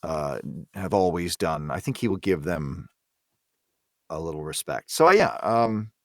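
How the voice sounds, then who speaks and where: Low-voiced man, hesitant and thoughtful. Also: expressive, no room sound, studio quality. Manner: hesitant, thoughtful, halting delivery with repeated words. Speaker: voice actor, interview guest. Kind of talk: reflective interview conversation.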